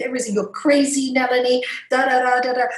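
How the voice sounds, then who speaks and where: A woman talks over noticeable background noise. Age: 60s. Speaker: yoga teacher. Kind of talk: interview conversation. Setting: video call. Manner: animated.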